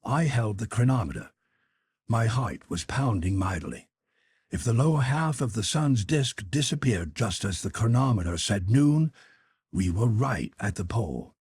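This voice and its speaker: Male narrator for classic adventure fiction. Very husky, closely recorded and dry, measured and articulate delivery. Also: fairly low pitch, very animated, darkish tone, no room sound. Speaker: audiobook narrator. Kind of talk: scripted literary narration of a classic adventure novel.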